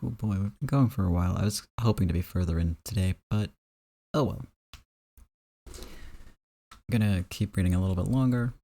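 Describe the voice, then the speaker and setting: Man, low pitch, relaxed, visual novel reader. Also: moderate pace, pauses often. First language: Dutch. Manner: relaxed, chatty asides. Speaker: let's play host. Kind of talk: reading a visual novel aloud.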